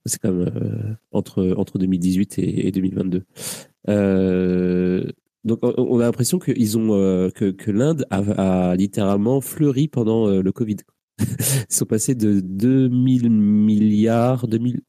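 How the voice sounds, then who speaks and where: A man's voice: fairly low pitch, mellow, no room sound, studio quality. A man hosting a live radio talk show, his sinuses blocked, talking in a hesitant way with many fillers and restarts. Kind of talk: casual live radio chat.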